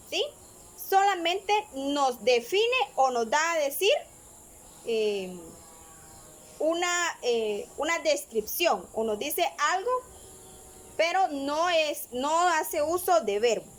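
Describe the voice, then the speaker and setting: A woman teaching a grammar lesson, explaining patiently step by step and often checking in with her listeners. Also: sits high. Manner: frequent filler pauses.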